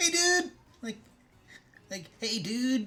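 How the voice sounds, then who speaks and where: A put-on character voice, nasal and guttural, sits at a fairly high pitch. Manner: casual, greeting.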